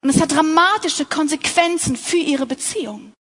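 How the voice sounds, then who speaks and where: A woman's voice: high-pitched, moderate pace, fairly bright tone. A young adult woman giving an earnest, personal sermon, talking directly to other women in her audience. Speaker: speaker at a Christian talk.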